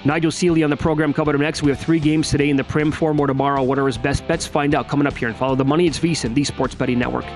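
A man co-hosting a sports betting show, teasing his partner with quick rhetorical questions and teasing upcoming segments. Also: a little high, steady tone, over music. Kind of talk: casual banter and segment teasers.

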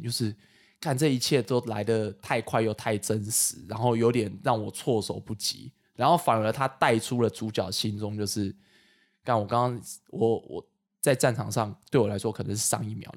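A man with a Taiwanese accent explaining things earnestly and enthusiastically in a casual chat. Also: lowish voice.

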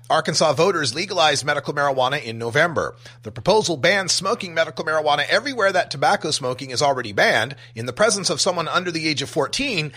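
A man's voice: on the high side, pushed and bright, husky. A man hosting a talk radio show, reading scripted intros and headlines in a punchy announcer's delivery. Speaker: radio talk show host and news reader.

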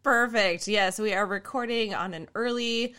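A woman's voice: mid-range voice, moderate pace, pushed and bright. A woman hosting an interview podcast, chatting casually and laughing often. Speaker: podcast host.

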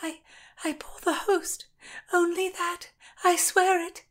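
A woman's voice: sits high, level tone, measured pace, pushed and bright, voice pushed up. A woman voicing a frightened young noblewoman who pleads in a breathless, stammering way. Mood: frightened pleading.

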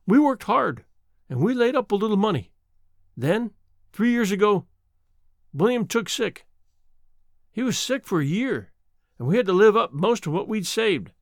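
Man doing a meek old widow, raised pitch, lively lilt, dry close sound. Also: normal speed, long pauses, no echo. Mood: wistful. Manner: rural dialect, homely grammar; apologetic, wistful. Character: poor old widow from the mountains, gentle.

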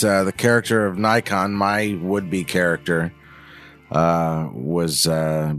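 A man's voice: low-pitched, fairly bright tone. A man co-hosting a podcast in casual, rambling chat, swearing freely and poking fun at himself. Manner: rambling, profane, self-mocking. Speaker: podcast co-host.

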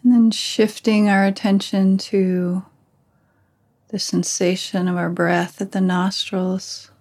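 Slow, mellow woman guiding meditation. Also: mid-range voice, flat delivery. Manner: gentle, unhurried instruction with long pauses. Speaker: meditation teacher. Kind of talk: guided meditation.

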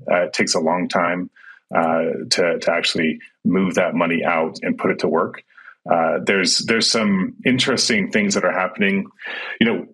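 A man's voice: low-pitched, a bit bright, husky, poor audio. A middle-aged man who grew up in Sudan and Kenya, a tech entrepreneur answering interview questions in a thoughtful way, with many fillers and restarts.

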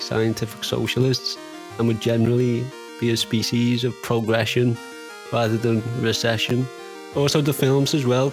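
A man hosting an interview podcast, casual and enthusiastic, heaping praise on his guest. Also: mid-range voice. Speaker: podcast host.

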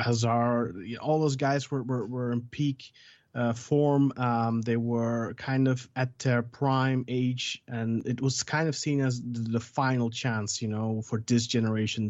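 Halting Belgian-raised man, flat dull audio. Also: medium pitch, no echo. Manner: halting, many fillers and restarts. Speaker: football journalist guest. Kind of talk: casual podcast interview.

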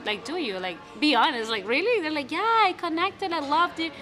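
A young woman with a bright, clear voice talks about writing her first play. English is her second language, and she restarts often in an animated, casual way. Faint music plays underneath. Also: sits high, fairly quick. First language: not English. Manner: animated, many restarts and fillers. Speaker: playwright guest. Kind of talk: casual interview answers.

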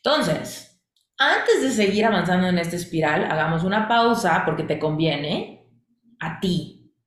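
A woman coach teaches a class, stacking questions and repeated phrases to drive each point home. Her voice sits slightly low. It rings in an echoey room. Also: lively intonation, measured pace. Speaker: coaching instructor.

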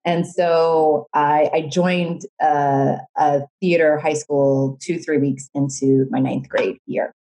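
Young woman guest, low and mellow, chatty storyteller who laughs often. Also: steady tone, takes it slowly, hardly any pauses, low-quality recording. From Jamaica and Florida. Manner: rambling storytelling with frequent laughs. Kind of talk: casual interview.

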